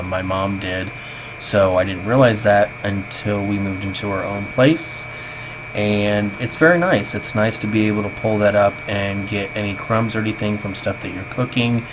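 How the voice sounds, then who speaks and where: Tinny, low-pitched man's voice-over, noisy background. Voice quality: tinny, like talking through a tin can. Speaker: vlogger. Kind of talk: casual voice-over narration of housecleaning. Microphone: basic home microphone, voice-over. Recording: tinny home voice-over, clear background noise.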